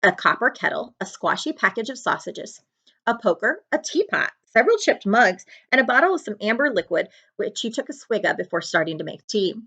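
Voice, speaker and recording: A woman reading a children's book aloud as a librarian would, in an expressive narrating style. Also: mid-range voice, brisk, breathy edge.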